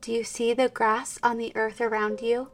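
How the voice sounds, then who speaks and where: A woman guiding a Christian relaxation meditation in a slow, soft, soothing voice that drifts into whispers. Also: a little high, level tone. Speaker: meditation guide. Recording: distant mic with soft instrumental music.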